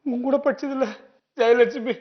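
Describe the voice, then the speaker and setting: Brief: very high-voiced man with a Tamil Nadu accent, teasing comic sidekick, lo-fi TV sound with clear noise. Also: steady tone, moderate pace. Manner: teasing, blustering best friend. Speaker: comedy sketch actor. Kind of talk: scripted comedy sketch dialogue. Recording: dull TV audio with noise.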